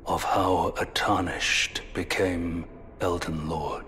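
A male actor playing a grave, deliberate storyteller of a fallen realm in a dark fantasy game, with a breathy delivery. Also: low-pitched, level tone, a little hiss or hum. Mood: solemn, grave. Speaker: narrator. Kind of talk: solemn scripted dark fantasy game narration.

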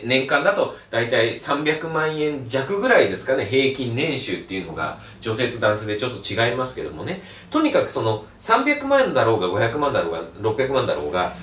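A man giving a blunt, animated video lecture as an online resale instructor. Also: fairly high pitch, distant mic. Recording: roomy echo, mic set back.

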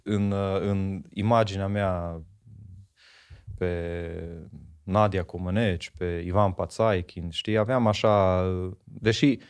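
A man's voice: sits low, steady tone, smooth. A man in his forties, a guest in a podcast conversation, recalling things thoughtfully and often tagging sentences with a questioning aside. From Romania, Miercurea Ciuc. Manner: thoughtful, tags sentences with "you know?". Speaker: guest, former speed skater.

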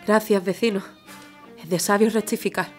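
A woman's voice: mid-range voice, fairly even intonation, moderate pace, over music, natural voice. A woman playing a spirited young working-class daughter in an audio drama. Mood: spirited, concerned.

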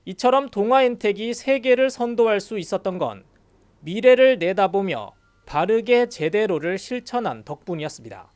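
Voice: medium pitch, lively intonation, normal speed, darkish tone. A news reporter reading scripted narration for a broadcast industry report.

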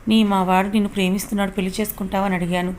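A good-natured young man recounts a story to his friends in a teasing, chatty way, as a woman reads his part. The pitch stays mid-range and fairly level, and a faint hiss runs underneath. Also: level tone, rapid-fire, a little mellow, lightly acted. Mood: amused.

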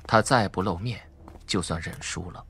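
A man voicing a calm, cocky, teasing young male schemer in an audiobook, understated and slightly insolent. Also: low-pitched, normal speed, vocal fry, slight background noise, pitched below the performer's own voice, heavily acted. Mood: cool, confident.

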